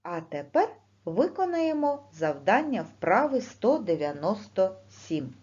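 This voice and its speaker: A woman teaching a primary school lesson, speaking slowly and clearly with questions to the class. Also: medium pitch. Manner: slow, clear teacher's delivery with lively rising questions. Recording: dull lo-fi recording.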